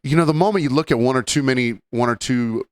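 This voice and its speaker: A man's voice: medium pitch, clean tone, no echo. Chatty man with a mild Southern drawl. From Southern United States. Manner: rambling, joking, with quick impressions. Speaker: podcast host. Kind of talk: casual podcast chat.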